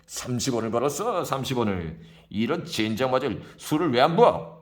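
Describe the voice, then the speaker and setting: A man voicing a drunk, boisterous middle-aged rickshaw man who talks in rough, loud shouts. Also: fairly low pitch, big pitch swings, normal speed. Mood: drunk shouting.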